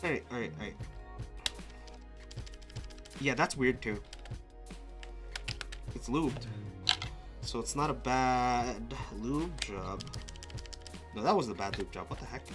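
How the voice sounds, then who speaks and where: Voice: medium pitch, expressive, slow, long pauses, music in the background. A live streamer casually thinking aloud, muttering to themself with restarts and sudden exclamations. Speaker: live streamer testing keyboards.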